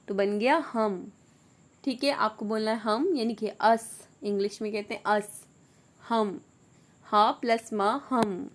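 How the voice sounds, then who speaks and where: Patient woman syllables. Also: fairly high pitch. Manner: slow, drawn-out syllables for repetition; frequent "theek hai" checks with the learner. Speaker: Urdu teacher. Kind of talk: online beginner lesson.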